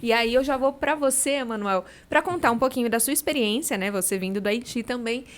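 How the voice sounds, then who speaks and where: A woman's voice: on the high side, fairly quick. A woman hosting an interview podcast, affirming and conversational as she sums up and hands over to guests. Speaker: podcast host.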